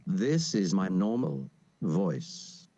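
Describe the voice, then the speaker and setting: Slow robotic synthetic man's voice. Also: low-pitched. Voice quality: flat robotic delivery. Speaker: text-to-speech demo voice. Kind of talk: synthetic speech demo. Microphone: computer speakers captured on a video call. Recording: muffled, dry, played over a video call.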